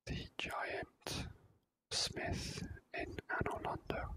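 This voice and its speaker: A game player speaks in a soft, breathy whisper throughout. The delivery is very slow and halting, as the host thinks aloud in ASMR-style commentary.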